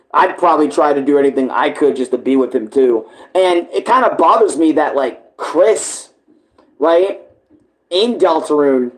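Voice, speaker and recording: A man's voice: on the high side, poor audio. A man giving casual live reaction commentary, rambling bluntly and informally with heavy swearing. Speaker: reaction streamer.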